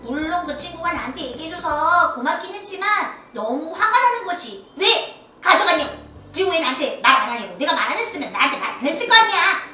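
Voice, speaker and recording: A woman's voice: very high-pitched, fairly quick, few pauses, exaggerated voice. A woman voicing a cheerful child character who tells a story to young viewers. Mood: indignant. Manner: chatty storytelling, bright and animated. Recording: echoey room, from a distance, soft music.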